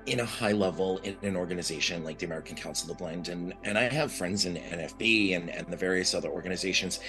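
A blind advocate from New York appears as a guest on an interview podcast, speaking earnestly and reflectively, sometimes restarting his sentences. His voice is deep and quick, with music playing in the background.

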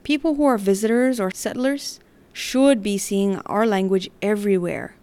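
A woman in her thirties from the Northern Mariana Islands with a light Chamorro accent, hosting a podcast and reading personal narration in a measured, articulate, reflective way. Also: mid-range voice, darkish tone. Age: 30s. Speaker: podcast host.

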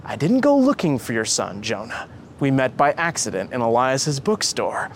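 A man's voice: medium pitch, big pitch swings, moderate pace, slight background noise. A man voicing an earnest, pious young man in a story, reassuring and persuasive as he preaches. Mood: calm, persuasive.

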